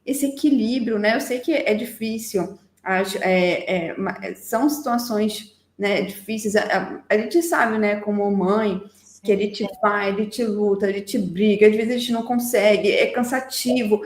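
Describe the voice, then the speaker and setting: A woman's voice: medium pitch, steady tone, measured pace, echoey room. A woman hosting a podcast in casual chat, speaking earnestly and acting out what parents and children say. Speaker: podcast host.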